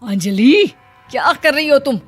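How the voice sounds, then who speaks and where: Nagging middle-aged cartoon mother, voiced by a woman; sharp, scolding, pitched high. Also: expressive, measured pace, soft background music. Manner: scolding, taunting. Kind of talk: animated story voice acting.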